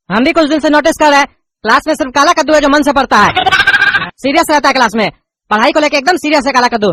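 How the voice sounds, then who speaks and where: Brief: performer doing an exasperated, bright-voiced male schoolteacher, flavour, rapid-fire. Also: sits high, a little hiss or hum. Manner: scolding, exasperated. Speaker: teacher.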